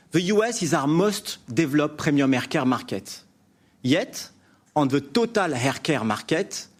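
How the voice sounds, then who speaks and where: Higher-voiced man presenting company results. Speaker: company division executive. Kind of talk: prepared earnings presentation speech.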